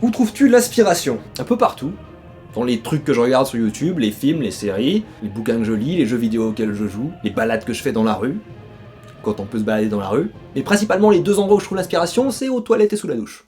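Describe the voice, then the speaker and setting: A young man recording in his bedroom, answering viewer questions with deadpan jokes and quick asides. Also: mid-range voice, faint music behind. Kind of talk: comic FAQ monologue. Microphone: camera far from him.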